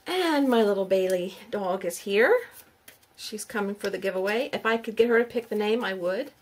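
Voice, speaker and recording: A woman's voice: mid-range voice, normal speed. A middle-aged woman, chatting casually on camera as she hosts a giveaway, sounding out names aloud and asking viewers questions. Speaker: YouTube crafter hosting a giveaway. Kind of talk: casual on-camera vlog chat.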